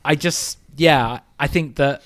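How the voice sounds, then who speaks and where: A man speaking as a guest journalist on a podcast, agreeable and brisk in casual conversation. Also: a little high, fairly bright tone.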